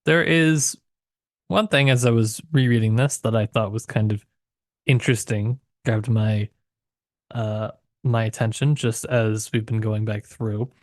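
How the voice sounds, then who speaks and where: A man co-hosting a podcast in unscripted literary discussion, reflective and often halting as he searches for words. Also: fairly low pitch, fairly even intonation, a little mellow, no room sound, clean studio sound. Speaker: podcast co-host.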